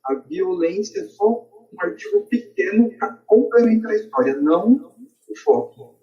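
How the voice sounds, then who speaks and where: Brazilian male debater, fairly high mellow voice, conversational, recorded off-mic in an echoey room. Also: very animated, moderate pace, distant mic, lo-fi sound. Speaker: podcast debate participant. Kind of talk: casual podcast discussion.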